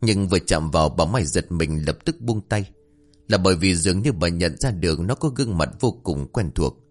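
A man narrating a horror story dramatically, swinging between tense and hushed delivery. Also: sits low, lively intonation, normal speed.

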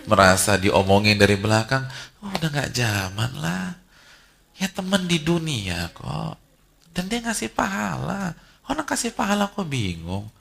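Lively preacher with a gravelly voice. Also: male voice, mid-range voice. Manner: animated, conversational, acts out short quoted voices. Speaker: Islamic preacher. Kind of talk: sermon to women.

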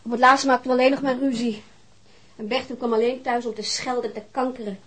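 A woman's voice: a little high, fairly even intonation, quick pace, fairly bright tone, husky. An actress playing a weary, defensive divorced mother, answering questions hesitantly in a naturalistic radio drama. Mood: bitter.

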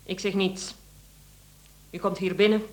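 Radio drama wife, female actor: mid-pitched voice, haughty, biting, defiant. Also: flat delivery, a little slow, natural voice. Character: sharp-tongued, defiant wife of a suspect. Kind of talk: Dutch-language radio drama acting.

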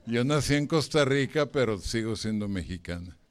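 A man's voice: mid-range voice, animated, normal speed, clean tone. A man acting as master of ceremonies, teasing the crowd and introducing acts in a chatty way at a live event. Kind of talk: joking stage banter and introductions.

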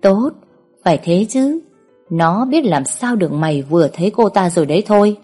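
A woman's voice: lowish voice, moderate pace, husky, soft background music. Woman voicing a cold, curt young crime boss. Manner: calm, curt and commanding.

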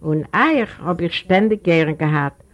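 A woman's voice: fairly low pitch, animated, a little slow, highs cut off. A woman voicing a troubled, earnest young woman in an audiobook reading. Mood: insistent. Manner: hesitant, earnest.

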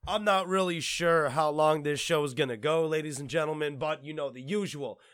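A man hosting a podcast, talking in a casual, rambling and excitable way, tripping over his words and swearing now and then. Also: fairly high pitch, moderate pace, no echo, studio quality. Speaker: podcast host and producer.

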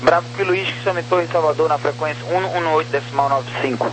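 A man's voice: fairly high pitch, fairly even intonation, fast. A man working as an air traffic controller, giving clipped, procedural instructions over aviation radio. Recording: humming, noisy aviation radio.

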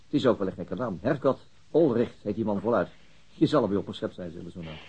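An actor playing a weary middle-aged city detective, hesitant and understated, in a naturalistic radio drama. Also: male voice, fairly low pitch, animated, fast talker, a little mellow, highs cut off, a little hiss or hum. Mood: musing, hesitant.

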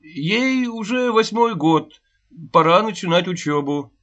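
A man's voice: mid-range voice, big pitch swings, slow pace, a bit bright. A man voicing an eager, zealous male commission member who speaks with earnest fervor. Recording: dull lo-fi recording.

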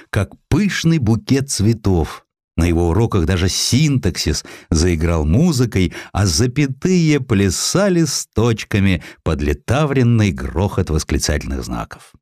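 A man's voice: sits low, sing-song, a little slow, darkish tone, dry recording, studio quality, full character voice. A man voicing a venerable old editor reminiscing in a dramatized audiobook, theatrical and self-mocking, savoring his florid words. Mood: savoring, admiring. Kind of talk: dramatized audiobook character quotes.

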